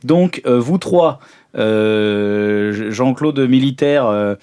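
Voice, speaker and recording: A man improvises as a player in a tabletop game. His pitch is average, and his delivery is casual and joking. He often stalls and repeats himself while working out what to say. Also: drawn-out words, darkish tone, clear, resonant tone. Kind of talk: casual improvised role-play chat.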